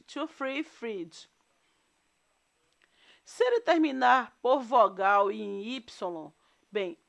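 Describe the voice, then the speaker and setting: A Brazilian woman teacher talking slowly and carefully, pausing over each rule. Her voice sits a little high, and she drags out each word in the lists she reads. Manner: slow, deliberate explanations with drawn-out word lists. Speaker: English teacher. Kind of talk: recorded class lesson.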